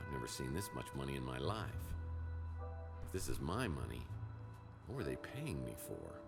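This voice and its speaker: An actor playing a deadpan, self-deprecating, down-on-his-luck male private eye in a noir detective game. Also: a bass voice, normal speed, gravelly, faint music behind, exaggerated voice. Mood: wry musing.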